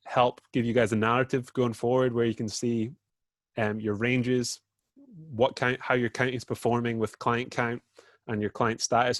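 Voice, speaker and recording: A man's voice: mid-range voice, no room sound. British man, informal screen-share presenter, lots of "um"s, dry sound. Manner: informal, with frequent fillers. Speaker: data dashboard presenter. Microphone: video call.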